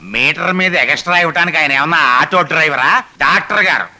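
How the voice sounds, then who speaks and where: An actor playing a wisecracking old grandfather who answers back with quick jokes. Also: on the high side, sharp tone. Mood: joking. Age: older. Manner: quick-witted, jokey retorts. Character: wisecracking old grandfather, meek with his wife. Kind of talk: film comedy acting.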